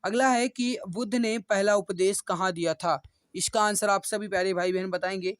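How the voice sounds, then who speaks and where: A man's voice: high voice, fairly even intonation, normal speed, clean tone, no echo, studio quality. A man teaching an online exam-prep class, who calls his students dear brothers and sisters and keeps repeating each answer. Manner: rousing motivational appeals.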